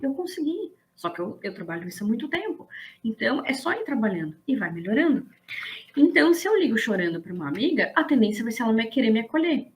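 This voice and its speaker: A woman teaching in a casual, lively and blunt way, often slipping into acted quotes. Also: fairly high pitch, fast talker. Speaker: business coach. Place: indoors, streaming to an online audience.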